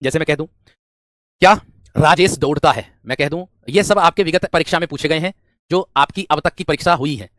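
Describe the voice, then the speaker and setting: A man's voice: fairly high pitch, brisk, a bit bright, dry recording, clean studio sound. A man teaching an exam-prep grammar lesson, asking the class questions and answering them himself, repeating key phrases. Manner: repeats phrases, often says "my friend".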